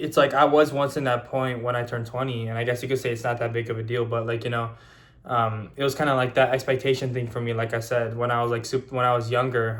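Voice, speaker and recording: A man of twenty talking casually to camera in a vlog, rambling with many fillers and restarts. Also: mid-range voice. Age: 20s. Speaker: YouTuber.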